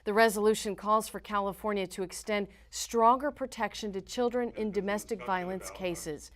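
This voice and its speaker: A woman's voice: medium pitch, steady tone, normal speed, a bit bright. A woman with an American accent reading scripted news in a formal, emphatic newsreader delivery. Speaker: news reporter and anchor.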